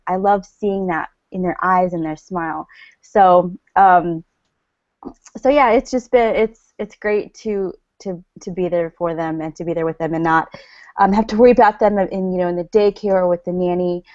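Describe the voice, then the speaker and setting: Bubbly, chatty mom on a video call, dry and muffled lo-fi sound. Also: female voice, fairly low pitch, steady tone, moderate pace, darkish tone, no echo. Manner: bubbly, chatty, full of fillers. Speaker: stay-at-home mother of three. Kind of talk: casual online group chat.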